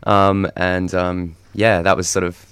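A man's voice: deep voice, flat delivery, unhurried, a bit bright, clear, resonant tone, no room sound. A young Australian man giving a casual radio interview, explaining things in a rambling, tentative way. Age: young adult. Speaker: interview guest, student group representative. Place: radio studio.

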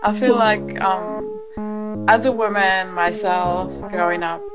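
A woman's voice: mid-range voice, takes it slowly. A woman from Lebanon interviewing a musician in a casual chat, with many fillers and a chatty, friendly manner. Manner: chatty, with frequent fillers and laughs. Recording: music playing loudly behind.

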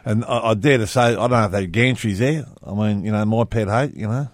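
A man's voice: fairly low pitch, brisk, no room sound, studio quality. A man co-hosting a casual podcast, rambling with crude asides. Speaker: podcast co-host. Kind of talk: casual chat.

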